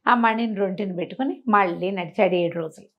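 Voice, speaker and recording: A woman's voice: mid-range voice, fairly quick, highs cut off. A woman tells a folk tale conversationally, repeating phrases and slipping in small explanatory asides. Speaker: storyteller.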